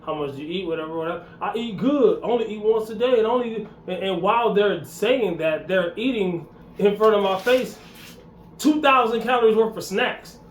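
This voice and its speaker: A man in his forties speaks in a fairly high voice, delivering blunt, repetitive motivational advice as a fitness vlogger. The sound carries the echo of a bare room, with a faint hiss underneath. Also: moderate pace. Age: 40s. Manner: blunt, repetitive, preachy, animated. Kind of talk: casual motivational talk to camera.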